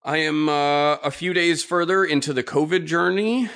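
A man's voice: fairly high pitch, moderate pace, fairly bright tone. A man with a slightly stuffy, congested nose, hosting a solo opinion podcast in an informal, opinionated, emphatic way. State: mild nasal congestion from a cold-like illness. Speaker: podcast host.

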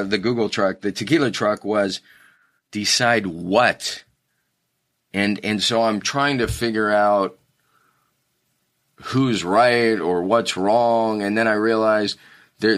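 A man's voice: lowish voice, fairly bright tone. A man in casual conversation, telling a rambling story and restarting his sentences often. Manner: rambling, self-correcting storyteller.

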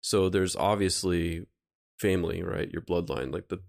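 A man hosting a reflective conversation, calmly laying out an idea and checking in with "right?" as he goes. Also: low voice, normal speed, vocal fry. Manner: calm, explanatory, often checks in with "right?". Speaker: host.

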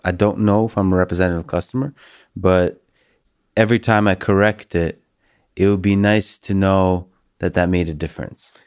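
A man's voice: low-pitched, fairly even intonation, moderate pace, darkish tone, clear, resonant tone. A man hosting a podcast interview, asking curious questions with a dry, joking manner. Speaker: podcast host. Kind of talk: interview conversation.

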